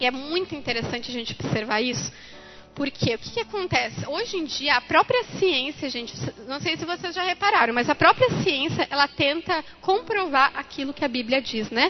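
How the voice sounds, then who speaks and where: Noticeable background noise sits behind a woman who speaks with a high pitch and lively intonation. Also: moderate pace. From southern Brazil. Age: 20s. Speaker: psychologist. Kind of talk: talk at a women's church service.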